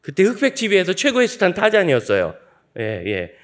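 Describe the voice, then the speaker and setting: A man in his fifties, a guest pastor preaching at a dawn church service, telling joking stories from his childhood in a lively way. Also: high-pitched, a little fast. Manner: lively, joking anecdotal storytelling. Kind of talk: sermon with humorous storytelling.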